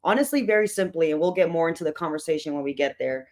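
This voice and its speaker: A hoarse book club host with a tired voice, chatting loosely with many fillers while opening an online meeting. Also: mid-range voice, fast talker.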